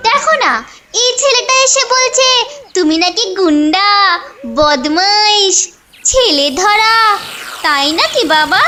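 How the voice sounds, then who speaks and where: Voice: very high-pitched, expressive, takes it slowly, long pauses, background noise, full character voice. A performer voicing a stubborn, naive little boy in a cartoon, whiny and insistent. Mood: puzzled. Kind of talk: cartoon voice acting. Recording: music behind the voice.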